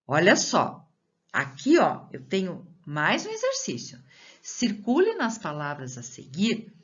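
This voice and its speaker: A Brazilian woman teacher speaks slowly and patiently in a fairly low voice that rises and falls a great deal as she leads children through a recorded lesson. She draws out each syllable and keeps checking in with the pupil. The recording sounds a little dull and lo-fi. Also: a bit bright. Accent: Brazilian Portuguese. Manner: slow, patient explaining with drawn-out syllables and frequent questions to the pupil.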